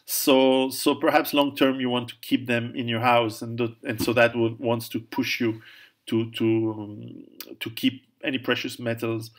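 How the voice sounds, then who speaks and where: A man speaks in a casual question-and-answer monologue at a middle pitch. He stumbles and restarts often, fills pauses with "um", and chuckles at his own jokes. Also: little pitch movement. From Italy, raised in Switzerland. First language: Italian. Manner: hesitant, many restarts and fillers, laughs at own jokes. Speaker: author answering viewer questions.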